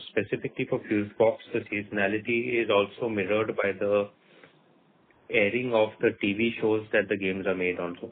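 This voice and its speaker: A man with a fairly low voice speaks as an executive running an earnings call. His explanations are spontaneous and businesslike, heard through a thin telephone connection. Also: a little hiss or hum. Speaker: company executive leading the call. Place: conference call. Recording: narrowband phone-call audio.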